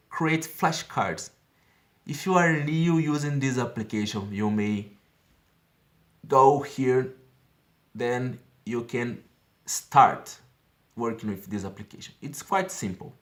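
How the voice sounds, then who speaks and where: Brazilian man in his thirties, chatty. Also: on the low side. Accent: Brazilian Portuguese. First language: Portuguese. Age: 30s. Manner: earnest, chatty, keeps checking in with "okay?". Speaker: language-learning vlogger. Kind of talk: casual app walkthrough.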